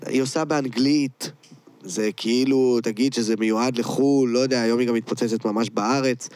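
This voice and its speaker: A man's voice: mid-range voice, fairly even intonation, darkish tone, no room sound. A man with an Israeli accent, a rapper and producer being interviewed, chatting casually in slang sprinkled with English words. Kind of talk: casual chat.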